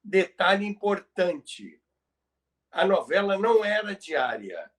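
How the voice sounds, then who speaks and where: A man's voice: high voice, very animated, slow. A Brazilian man presenting in an informal lecture style, explaining didactically and repeating phrases for emphasis. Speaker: presenter explaining radio history.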